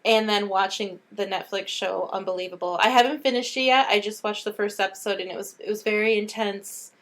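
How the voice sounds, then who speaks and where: Casual female podcast co-host, mid-pitched. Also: steady tone, brisk, fairly bright tone. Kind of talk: casual chat.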